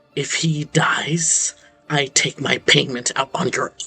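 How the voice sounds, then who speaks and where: Over faint music in the background, a put-on character voice, husky and growling, comes at a fairly slow pace. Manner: whispering, threatening.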